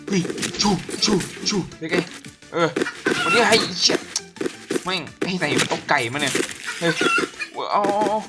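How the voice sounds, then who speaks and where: A man giving casual gameplay commentary as a gaming YouTuber, excitable and profane, often shouting at the enemies on screen. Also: sits high, measured pace, long pauses. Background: game music.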